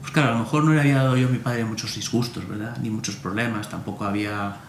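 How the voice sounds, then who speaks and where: Priest, male, low register, lively storyteller; recorded in a roomy space. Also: quick pace. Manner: animated storyteller, acts out remembered dialogue. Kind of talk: personal storytelling interview. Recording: roomy echo, faint room hum.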